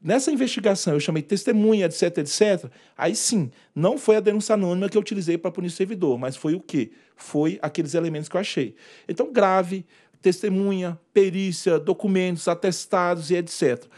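Lively man lecturing. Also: high voice, brisk. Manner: animated, acts out quoted dialogue, points at slides. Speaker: lecturer on workplace harassment law. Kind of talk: informal presentation to an audience.

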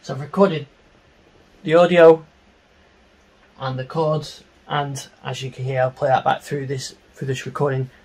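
A middle-aged man giving an informal, unscripted tutorial on music software, explaining step by step into a handheld microphone in a small home studio. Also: mid-range voice, flat delivery, a little slow, long pauses, slightly rough, poor audio. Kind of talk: informal screen-share tutorial.

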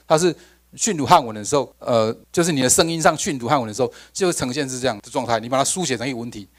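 A man's voice: medium pitch, rapid-fire. A man giving an academic lecture, conversational, often asking the audience rhetorical questions and restarting his phrases. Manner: frequent restarts and fillers like OK.

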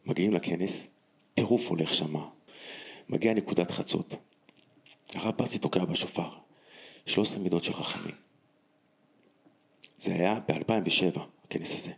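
A man with a low, deep voice and a husky edge tells a personal story. He speaks with animated emphasis and acts out the other people's lines. It sounds like a heartfelt testimony. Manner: animated, emphatic retelling with acted-out dialogue. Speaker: guest telling a personal story.

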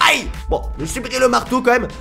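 A young man gives energetic gameplay commentary, often shouting and laughing as he talks to viewers. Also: very high-pitched, brisk, vocal fry, music in the background. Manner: excitable, shouts and laughs often, addresses viewers as "les gars". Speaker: gaming YouTuber.

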